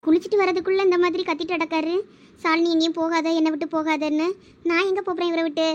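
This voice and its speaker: A woman voicing a lively, affectionate young wife in a cartoon, speaking with a Thoothukudi Tamil accent and exclaiming often. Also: extremely high pitch, fast, highs cut off, background noise. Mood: puzzled. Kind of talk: cartoon voice acting.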